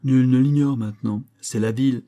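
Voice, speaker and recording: A man's voice: mid-range voice, fairly even intonation, moderate pace, dark tone, pitched above the performer's own voice, close to an everyday voice. A man voicing a shrewd male country gendarme who asks pointed, needling questions in an audiobook. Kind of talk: audiobook character voice.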